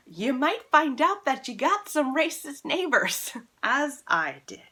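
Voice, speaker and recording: A woman's voice: mid-range voice, sharp tone. A woman talking casually to camera as a vlog host, earnest and emphatic, repeating words for emphasis. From Canada. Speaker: book vlogger, channel host.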